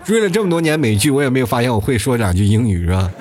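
A man hosting a comedic talk show, reading listener messages and riffing on dialects in a chatty, quick style with frequent tag questions. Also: mid-range voice, music in the background, crowd noise. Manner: chatty, fast, animated, frequent "是吧" tags and chuckles.

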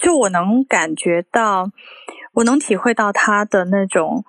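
A woman's voice: mid-range voice, expressive, a little slow, a bit bright, dry recording. A woman with a mid-range voice talks casually as a podcast co-host. She phrases things thoughtfully and a little hesitantly, recorded dry with very little room sound. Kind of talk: casual conversational podcast talk.

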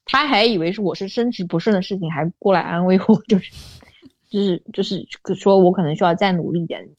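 A woman's voice: fairly low pitch, fairly quick, darkish tone, dry recording. A young adult woman telling a personal story as a podcast guest, often asking "you know?" and slipping English words into her talk. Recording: dull, dry lo-fi recording.

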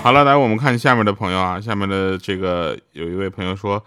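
A man's voice: low voice, quick pace, fairly bright tone, smooth, dry recording, clean studio sound. A man hosting a comedic podcast, joking and mocking himself, often laughing as he talks. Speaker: podcast host. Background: background music.

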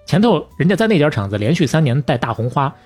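A man with a Beijing accent and a husky voice narrates like a podcast host chatting with a friend. His pitch swings in an animated way, and his delivery is colloquial and folksy. Faint music plays behind him. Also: fast. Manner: colloquial and folksy, with proverbs and acted-out asides. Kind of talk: lively conversational storytelling.

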